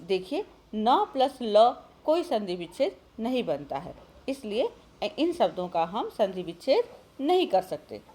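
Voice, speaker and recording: This is a recorded online grammar lesson where a woman teaches schoolchildren in a slightly high, warm, slightly rough voice, speaking a little slowly but very animatedly. She keeps calling on the children and asking questions, which she then answers herself.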